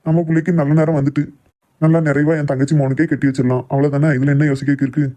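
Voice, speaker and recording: A man's voice: on the high side, flat delivery, fast talker, dark tone, lightly acted. A man voicing a stubborn, protective middle-aged village father in a cartoon family drama, assertive, with a Tirunelveli Tamil accent. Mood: confident, reassuring. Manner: assertive, dismissive of objections.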